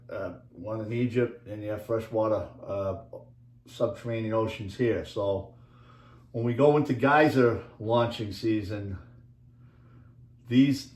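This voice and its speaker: A man with a Boston accent rambling through a casual monologue, halting often with fillers as he talks over slides. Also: fairly low pitch, echoey room. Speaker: video creator and author.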